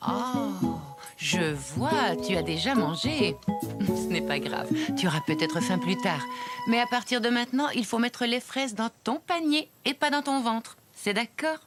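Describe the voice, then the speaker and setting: A woman voicing a kindly, attentive mother in a preschool cartoon, gentle and reassuring with a sing-song delivery. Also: fairly high pitch, expressive, unhurried. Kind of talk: dubbed preschool cartoon acting. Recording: music under the voice.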